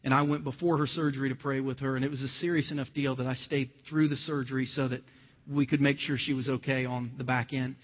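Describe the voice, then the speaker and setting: The recording of this church sermon is dull and lo-fi, with a long reverberating hall sound. The Ohio pastor talks fast with a flat delivery in a medium-pitched voice, weaving scripture into conversational personal stories.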